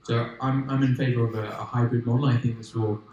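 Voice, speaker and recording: Low mellow guy on a panel, far from the mic, echoey. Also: steady tone, brisk, dull audio, slight background noise. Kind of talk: conference panel remarks. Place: large conference hall. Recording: distant, echoey hall.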